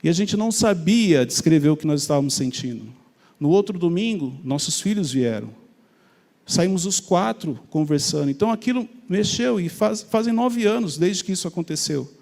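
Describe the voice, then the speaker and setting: A middle-aged Brazilian man telling his personal faith testimony in an animated storytelling way, acting out remembered conversations. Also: high-pitched, moderate pace, gravelly, in a large hall. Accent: Brazilian Portuguese. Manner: animated, acts out remembered dialogue. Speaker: speaker sharing a faith testimony.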